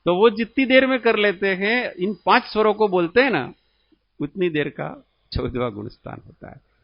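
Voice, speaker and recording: A man from India, a spiritual teacher, gives a religious discourse in a high voice, slowly explaining and asking his listeners questions. The recording is dull and lo-fi, and his voice sounds dry and close. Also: expressive, gravelly, no room sound.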